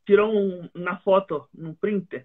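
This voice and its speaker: A man from Brazil with a Brazilian Portuguese accent, hosting a live interview and asking short questions in halting Spanish. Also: sits high, fairly even intonation, narrow, tinny audio. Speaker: host. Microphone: video call.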